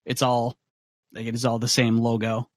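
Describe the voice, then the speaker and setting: A man's voice: mid-range voice, completely flat delivery, moderate pace, dry recording. A man co-hosting a casual podcast, chiming in with short, wry remarks. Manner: short dry interjections and wry asides. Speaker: podcast co-host.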